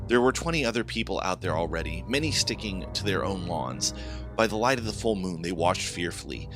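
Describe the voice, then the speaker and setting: Deep-voiced man narrating horror. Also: lively intonation, fairly quick, music in the background. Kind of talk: dramatic scripted horror narration.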